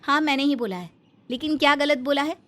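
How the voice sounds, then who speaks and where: A woman's voice: sits high, brisk, fairly bright tone. A woman voicing an outspoken young daughter-in-law in a cartoon, pleading and defiant.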